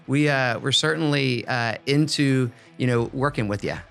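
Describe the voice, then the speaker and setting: A man's voice: mid-range voice, normal speed, gravelly, a bit bright, faint music behind. A man hosting a podcast, giving casual advice and often repeating words as he thinks aloud. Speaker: podcast host.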